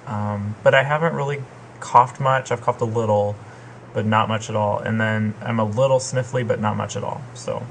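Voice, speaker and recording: A man chatting casually over a call while sick with a sore throat, rambling and hesitant with many pauses. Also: lowish voice, fairly even intonation, vocal fry, a little hiss or hum. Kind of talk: casual chat. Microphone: remote call.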